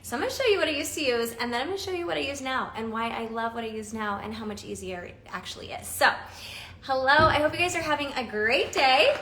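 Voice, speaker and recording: Chatty fortysomething woman going live, bright voice, faint hum behind. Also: high voice, quick pace, echoey room. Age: 40s. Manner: bubbly, chatty, laughs often. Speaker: makeup seller hosting a live stream. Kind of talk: casual live-stream chat.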